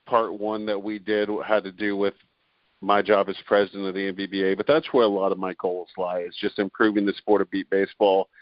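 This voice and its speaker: A man's voice: low-pitched, level tone, fairly quick, no echo, dull audio. A man in his forties, talking earnestly as a podcast guest, with frequent restarts and fillers. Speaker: guest, beep baseball player and league president. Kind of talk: podcast interview, conversational.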